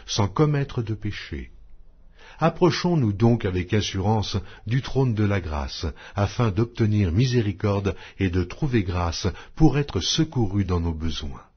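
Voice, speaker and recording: A man narrating scripture as an audiobook in a solemn, measured, declamatory manner. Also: on the low side, slightly rough, muffled recording. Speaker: Bible narrator.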